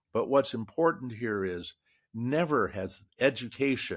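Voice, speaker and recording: A man talks at a moderate pace in a medium-pitched voice. His pitch swings very widely. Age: 80s+. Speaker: investment author. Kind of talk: interview.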